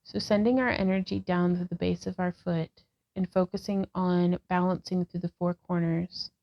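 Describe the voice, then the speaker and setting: A woman in her thirties leading a guided yoga session as a vlogger, cueing each pose calmly and gently. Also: fairly low pitch, normal speed, vocal fry. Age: 30s. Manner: calm, gentle cueing with breath prompts. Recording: slightly dull lo-fi sound.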